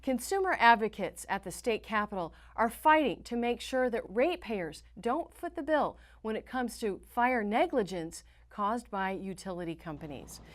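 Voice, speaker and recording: A woman's voice: fairly high pitch, animated, moderate pace, few pauses. A woman with an American accent reading scripted news in a formal, emphatic newsreader delivery. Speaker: news reporter and anchor.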